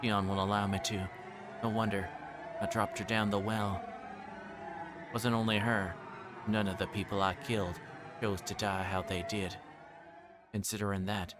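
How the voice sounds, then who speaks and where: A man's voice: deep voice, flat delivery, normal speed, pauses often, natural voice. A man voicing a deranged young woman killer in a visual novel, bitter and obsessive, brooding and gloating as she speaks. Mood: weary despair. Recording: music playing behind the voice.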